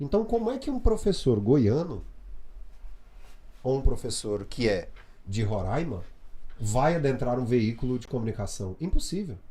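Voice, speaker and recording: A man with a dark, mellow, somewhat breathy tone talks at a fairly slow pace, his pitch swinging very widely between long, frequent pauses. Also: medium pitch for a man. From Brazil, Goiânia (Goiás). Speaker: Portuguese language expert and writer. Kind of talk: podcast interview.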